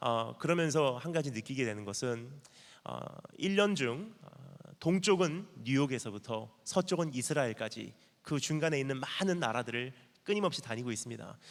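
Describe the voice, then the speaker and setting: This man has a slight non-native accent and a medium pitch. His intonation is lively, with big swings in loudness. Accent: non-fluent Korean, slightly foreign. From grew up in Korea until age 9, then the US. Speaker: missionary preacher. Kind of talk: sermon. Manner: fast; halting, stammers.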